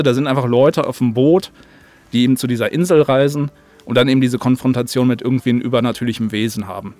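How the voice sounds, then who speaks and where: A man's voice: medium pitch, a little mellow. A man as an interview guest, an audio drama writer, explaining things in casual chat.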